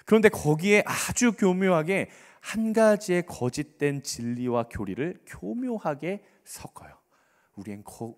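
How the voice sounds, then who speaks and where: Animated male pastor in reverberant hall. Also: sits high. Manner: animated, repeats words for emphasis, drops into whispers. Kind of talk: sermon. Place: church sanctuary.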